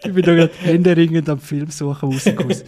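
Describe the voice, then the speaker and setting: A man with a Swiss German accent, chatting casually and jokingly as a podcast co-host, often halting to find words. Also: on the high side, fairly even intonation, mellow. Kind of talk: casual film chat.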